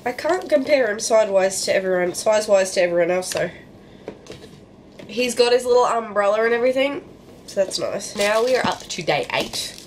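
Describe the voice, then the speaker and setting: A young woman with a nasal voice talks in a loose, self-mocking, bubbly way as she unboxes toys for her home vlog. Her voice sits at an ordinary pitch for a woman. It carries the bounce of a bare, echoey room, with a light hiss underneath. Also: expressive, normal speed. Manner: chatty and self-mocking, bubbly over small finds. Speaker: book vlogger. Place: home living room and bedroom, indoors.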